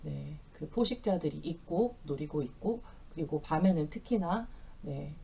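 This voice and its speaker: Mellow, gentle Korean-speaking woman teacher. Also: low-pitched, expressive, lo-fi sound. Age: middle-aged. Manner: gentle, explanatory, with frequent soft fillers; reads verses very slowly and clearly for repetition. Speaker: Bible English teacher. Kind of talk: bilingual scripture lesson with slow repetition drills.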